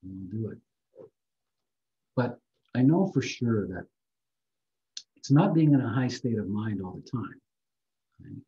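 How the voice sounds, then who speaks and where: An older man giving a reflective talk on a video call, speaking softly and gently. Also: lowish voice, animated, muffled recording. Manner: soft-spoken, slow and gentle. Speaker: guest speaker.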